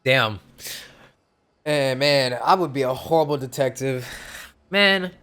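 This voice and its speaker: A man's voice: medium pitch, slow, sharp tone, smooth. A man chatting casually on a livestream as he plays a video game. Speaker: game streamer. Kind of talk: casual livestream chat while playing. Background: game music.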